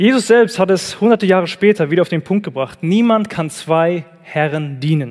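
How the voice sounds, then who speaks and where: Barely pausing, a man talks at a moderate pace in a high pitch with lively intonation. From Kaiserslautern, southwestern Palatinate, Germany. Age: 20s. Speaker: lay preacher at youth service. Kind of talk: sermon. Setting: church youth service with audience.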